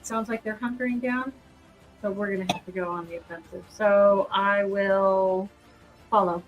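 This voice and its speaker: A woman's voice: mid-range voice, steady tone, moderate pace, highs cut off, faint music behind. A woman chatting casually as a player in a tabletop roleplaying game.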